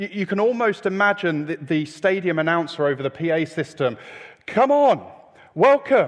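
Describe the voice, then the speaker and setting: Speaking at a fairly slow pace with lively intonation, a man with a London accent uses a high pitch over a quiet background. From North London, England. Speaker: church staff preacher. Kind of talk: sermon. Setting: church. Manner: repeats words, slightly halting.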